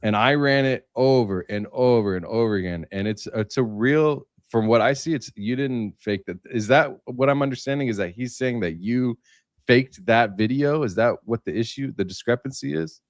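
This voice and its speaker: A man's voice: medium pitch, normal speed, no echo, studio quality. A man chatting casually as a livestream panelist, explaining things in a tentative, self-correcting way.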